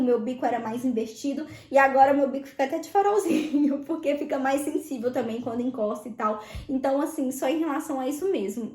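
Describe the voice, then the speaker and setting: Fast, high-voiced chatty young woman vlogger. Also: echoey room. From Brazil. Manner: chatty, animated, addresses viewers as "gente". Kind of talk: casual chat answering viewer questions.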